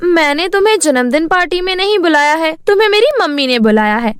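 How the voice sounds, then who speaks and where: A woman's voice: extremely high pitch, animated, fast talker, dry recording, studio quality. A woman voicing a mean, snobbish rich schoolgirl in a cartoon story, haughty and taunting.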